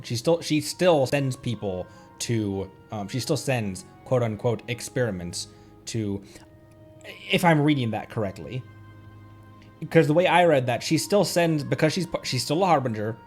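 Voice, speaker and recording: A man hosting a casual game stream, musing out loud. His mid-range voice moves around in pitch as he restarts and repeats phrases. Faint music plays behind him. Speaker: livestream host, VTuber.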